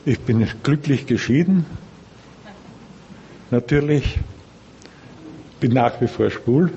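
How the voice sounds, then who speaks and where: A middle-aged or older man with an Austrian accent gives a personal testimony to a group in measured, careful standard German. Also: mid-range voice, warm tone, muffled recording. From Linz, Austria. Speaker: speaker at a recovery meeting. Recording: background noise, room ambience.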